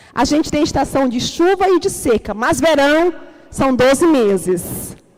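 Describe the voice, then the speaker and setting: Over noticeable background noise, a woman speaks at a high pitch with very wide pitch swings, very even loudness and a fairly slow pace. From Brazil, Manaus, Amazonas. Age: 40s. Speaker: pastor. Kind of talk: sermon.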